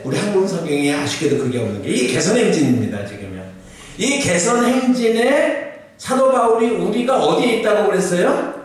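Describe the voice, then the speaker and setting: A middle-aged male pastor preaches with a fairly high voice, asking his listeners question after question in a chatty sermon. He sounds far from the microphone, and his words ring through a very echoey church hall. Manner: conversational preaching with rhetorical questions to the congregation. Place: church sanctuary.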